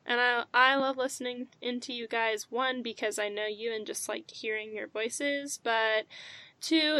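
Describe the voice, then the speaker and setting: A woman's voice: on the high side, pushed and bright, no echo. A woman in her twenties hosting a casual faith podcast, bubbly and enthusiastic, laughing often. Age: 20s. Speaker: podcast host.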